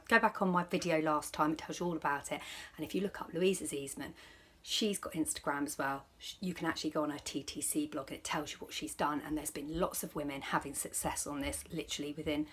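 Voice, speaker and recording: A woman with a notably low voice chats casually to her viewers, offering advice. She rambles and often corrects herself mid-sentence. There is some faint background noise in the recording. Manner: chatty, rambling, self-correcting. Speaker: vlogger.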